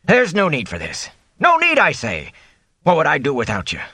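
A man's voice: fairly high pitch, huge pitch swings, normal speed, vocal fry, bright, forceful tone, slightly rough, dry recording, pitched above the performer's own voice, heavily acted. A man voicing a flustered male innkeeper who pleads and protests. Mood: pleading, panicked.

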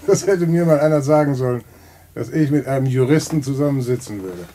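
An actor playing a streetwise, chummy jailed black-marketeer in a radio drama, slangy, worldly-wise and patronising. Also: male voice, medium pitch, dark tone, natural voice. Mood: chummy, amused. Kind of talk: post-war German radio play dialogue.

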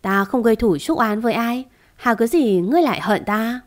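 A woman's voice: a little high, lively intonation, fairly quick, natural voice. A woman reading the part of an older, wealthy family head who defends himself earnestly. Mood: pleading.

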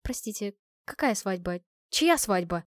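A woman's voice: mid-range voice, expressive, unhurried, no room sound, studio quality, lightly acted. A woman doing a flustered bashful young woman.

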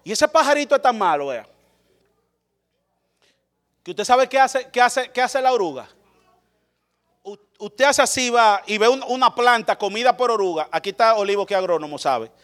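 A man preaching, his voice pitched high and ringing bright. He swings from loud calls to quiet, low asides as he speaks to his congregation in a dramatic sermon. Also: expressive, normal speed, long pauses.

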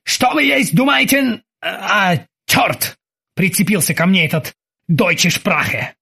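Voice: medium pitch, lively intonation, takes it slowly, creaky, sharp tone, husky, exaggerated voice. A narrator voicing a blustering ship captain who interrogates in broken mock-German, bossy and barking. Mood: bossy interrogating. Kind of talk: audiobook character voice.

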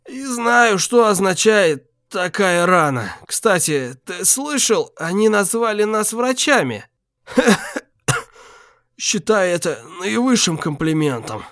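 A man reading an audiobook, voicing a mortally wounded young man who speaks slowly through strain and coughing. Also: high-pitched, big pitch swings, fairly bright tone, no room sound, clean studio sound, pitched above the performer's own voice, exaggerated voice. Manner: slow, strained, breaking into coughs. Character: dying young man, wounded, bitterly tender. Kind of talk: audiobook character voice.

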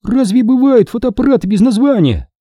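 A man voicing an excitable, quick-tempered girl in a storybook reading. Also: extremely high pitch, breathy edge, no room sound, studio quality, pitched above the performer's own voice, full character voice. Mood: exasperated.

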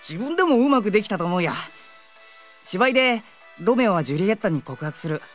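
A woman voicing an earnest, nervous high school boy with a husky voice in an audio drama. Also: big pitch swings, brisk, faint music behind, close to an everyday voice. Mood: sincere, wistful. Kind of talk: Japanese anime-style audio drama acting.

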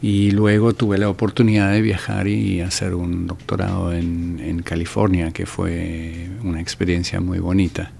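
Older Argentine man, very low gravelly voice, halting radio-interview guest, faint hum behind. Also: monotone, darkish tone. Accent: Argentine Spanish. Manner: hesitant, many fillers and restarts. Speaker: ministry director and guest. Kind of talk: radio interview, relaxed storytelling.

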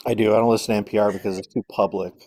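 Lowish voiced guy co-hosting, wry and dry, kinda musing. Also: level tone, racing, a little mellow, dry recording. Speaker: co-host. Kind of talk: casual comedy radio show.

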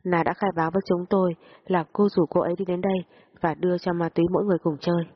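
A stern male police interrogator, voiced by a woman presses for answers in a firm, brisk way. The voice sits low and husky. The audio-story recording sounds dull and lo-fi. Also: level tone.

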